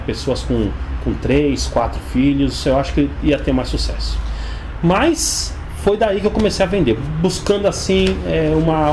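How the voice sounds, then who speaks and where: A man's voice: medium pitch, darkish tone. São Paulo man in his forties, noisy recording. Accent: São Paulo Brazilian. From São Paulo, Brazil. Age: 40s. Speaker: sales coach, interview guest. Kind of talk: conversational interview answers. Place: inside his home. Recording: clear background noise, ambience.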